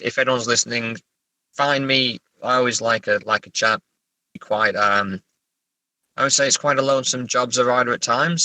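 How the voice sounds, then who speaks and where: Bright-voiced man chatting as interview guest. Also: medium pitch, dry recording, low-quality recording. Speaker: guest author. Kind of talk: casual interview chat.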